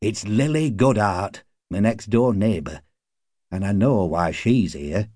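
A man's voice: lowish voice, animated, takes it slowly, darkish tone, dry recording, studio quality. A man voicing an irritable, cynical working-class card player in an audiobook, grumbling in colloquial, sweary speech. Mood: alarmed, annoyed. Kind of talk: audiobook character acting.

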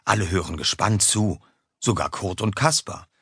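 A man narrating a children's audiobook in a lively, expressive way, recorded on a close studio mic. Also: fairly low pitch, normal speed, husky, dry recording. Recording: dry close studio sound.

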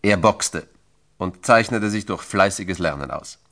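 A man's voice: low voice, a little slow, fairly bright tone. A man narrating a biography from a script in a dramatic, emphatic and solemn storytelling style.

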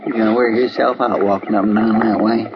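An actor playing a poor, easygoing frontier deputy who talks in a slow, folksy rural drawl, in a 1950s radio drama. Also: male voice, on the low side, steady tone, close to an everyday voice. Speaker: marshal's helper. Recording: dull old radio broadcast, faint hiss.

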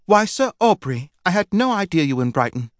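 A man's voice: high voice, sing-song, brisk, no echo, studio quality, voice pushed up. A man voicing a flustered, polite young Regency wife who falters when pressed.

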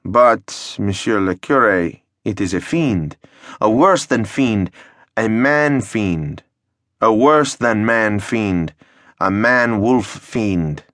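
A man voicing a pompous village mayor who speaks in a halting, ponderous way. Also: on the low side, animated, fairly bright tone, dry recording, studio quality.

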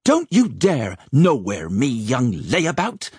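A man's voice: high voice, wildly swooping pitch, unhurried, breathy edge, dry recording, studio quality, pitched above the performer's own voice, full character voice. A man voicing a cross, exasperated older head chambermaid who barks and scolds in a storybook reading. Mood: angry, barking. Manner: barking, exasperated, dramatic swoops. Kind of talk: audiobook character voice.

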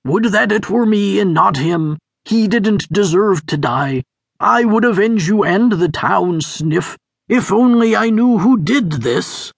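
A young male storybook hero, pleading and raw with feeling, his voice raised a little above the reader's own, as a narrator puts him on. It is read slowly in a dry, close setting. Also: medium pitch, lively intonation, creaky, husky, dry recording, pitched above the performer's own voice, heavily acted. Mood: grieving.

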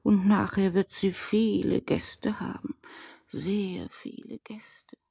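An actress playing a kind-hearted, homely nursemaid in a radio drama, folksy and fussing. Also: female voice, mid-range voice, fairly even intonation, slow, creaky, dark tone, husky, heavily acted.

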